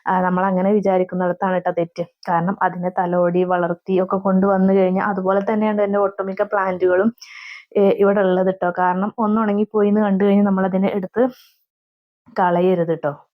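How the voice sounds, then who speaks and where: A woman talks over her home vlog in a chatty, unhurried voice-over, ending sentences with soft little tags and stopping often on fillers. Her pitch sits in the middle, and the recording sounds slightly dull and lo-fi. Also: level tone. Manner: chatty, ends sentences with a soft tag word, many fillers. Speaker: mother and home vlogger. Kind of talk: voice-over narration of her day.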